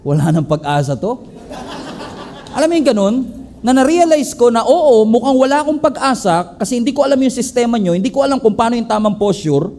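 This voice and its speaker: A male pastor with a Filipino accent delivers a lively sermon in a fairly high voice. He moves freely between English and Tagalog and acts out the characters in his story as he preaches. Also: quick pace.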